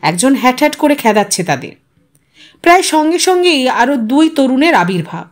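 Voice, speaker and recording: A woman's voice: high-pitched, very animated, normal speed. A woman reading a story aloud as a scripted audiobook narration.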